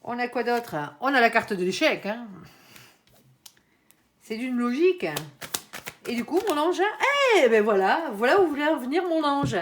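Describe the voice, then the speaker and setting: A woman's voice: a little high, lively intonation, normal speed, pauses often, slight background noise. A woman giving a casual, chatty tarot reading, often tagging her sentences and speaking to her guardian angel. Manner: chatty, frequent tag "hein", addresses her angel. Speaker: tarot card reader.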